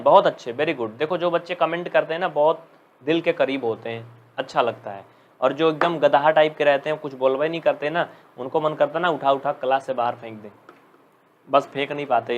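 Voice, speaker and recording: Higher-pitched man teaching math, scolding. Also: highs cut off. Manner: scolding, teasing students, reading out commenters' names. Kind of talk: live online class lesson.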